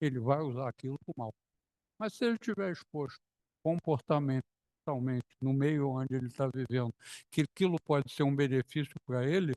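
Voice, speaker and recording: Dry and close with no echo, a man's fairly high voice has a dark, mellow tone, ordinary pitch variation and a moderate pace. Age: 70s. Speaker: physician academic. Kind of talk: symposium talk.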